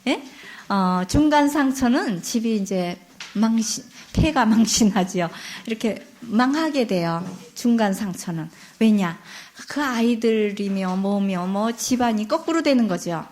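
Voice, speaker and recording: A woman nun giving a Bible lecture, telling a folk tale in a lively, chatty way and asking her listeners questions. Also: fairly high pitch, a little slow.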